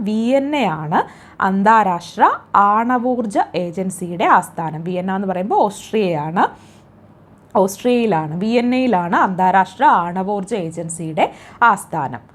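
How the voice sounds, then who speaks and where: Lively Malayali woman quizzing aloud. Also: medium pitch. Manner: asks a question and answers it herself, repeating each answer; coaxing, checks the listener with "kēṭṭō" and "allē". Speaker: exam tutor. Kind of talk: spoken quiz lesson.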